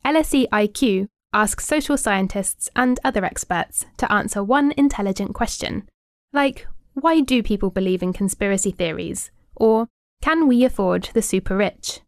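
A woman's voice: mid-range voice, animated, normal speed, dry recording, clean studio sound. A woman reading a scripted podcast promo in an upbeat manner.

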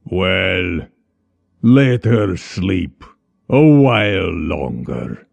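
A man voicing a slow, gravelly ancient serpent god. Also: lo-fi sound, full character voice. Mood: calm menace. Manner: calm, rumbling, drawn-out. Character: towering ancient male serpent god, calm menace. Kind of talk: audiobook character voice.

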